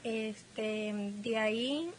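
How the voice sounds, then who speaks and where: A woman in her twenties with a Venezuelan Spanish accent tells her own story slowly and haltingly, mixing in Portuguese words. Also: on the high side, slight background noise. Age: 20s. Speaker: interviewee telling her story. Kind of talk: personal testimony.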